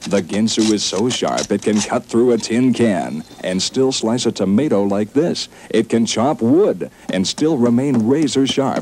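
With an upbeat tone, a man speaks at a moderate pace, his medium pitch showing ordinary variation. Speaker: commercial announcer. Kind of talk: vintage TV commercial sales pitch. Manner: upbeat, excitable, emphatic.

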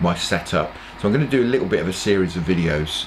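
A man speaks over noticeable background noise. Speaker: angler vlogger. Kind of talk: casual tutorial intro. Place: home room.

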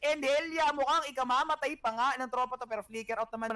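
A man speaks in a raised, projected voice at a fairly quick pace. Background noise is noticeable. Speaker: esports caster. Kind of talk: esports commentary. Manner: animated; fast talker.

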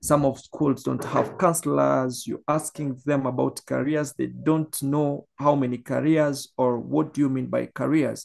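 Against a quiet background, a man talks at a fairly slow pace. He leaves hardly any pauses. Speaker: student. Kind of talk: class discussion contribution. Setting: video call. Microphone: video call.

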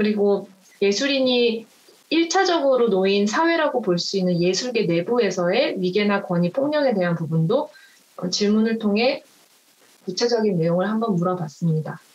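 Her intonation is lively. The woman talks at a moderate pace. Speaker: independent researcher. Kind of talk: presentation. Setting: video call. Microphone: webcam.

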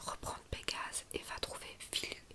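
A woman whispers at a very slow pace. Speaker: ASMR video creator. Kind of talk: whispered reading of character dialogue in a storybook. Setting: studio microphone, binaural recording. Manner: whispered, soft, slow. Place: home room. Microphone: studio mic.

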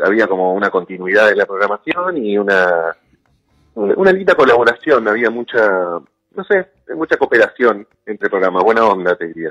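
With very wide pitch swings, a man talks at a moderate pace in a dry, close sound with no echo. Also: medium pitch for a man. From Argentina, Buenos Aires west (Ramos Mejía). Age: 40s. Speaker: radio host. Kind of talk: casual interview. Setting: phone call.

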